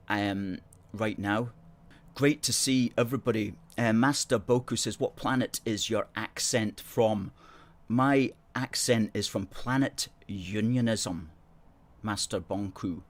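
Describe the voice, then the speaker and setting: Chatty Scottish man reading viewer comments. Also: lowish voice. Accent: educated Scottish. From born in Hong Kong. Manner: chatty, sardonic, reads out comments and replies. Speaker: host.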